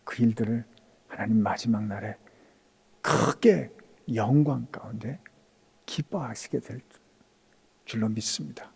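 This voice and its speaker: A male pastor preaching a sermon, swinging between raised emphatic passages and hushed, whispered lines, acting out quoted speech in intimate tones. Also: mid-range voice, vocal fry, breathy edge.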